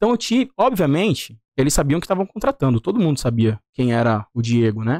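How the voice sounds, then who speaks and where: Fairly high-pitched for a man, he talks at a fairly quick pace with hardly any pauses, very wide pitch swings and very even loudness, in a dry, close sound with no echo. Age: 30s. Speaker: corporate security head. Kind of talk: interview, personal story.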